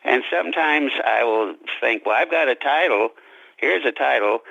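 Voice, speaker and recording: A man being interviewed as an author, talking reflectively about his craft in halting, deliberate phrases. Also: medium pitch, animated, vocal fry, sharp tone, no echo, highs cut off.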